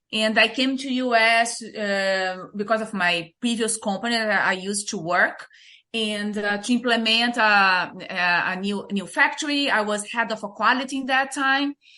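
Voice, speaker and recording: A woman with a Brazilian accent and a bright, sharp tone, at a moderate pace with hardly any pauses, ordinary pitch variation, and a quiet background. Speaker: leadership trainer. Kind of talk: podcast interview. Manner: halting.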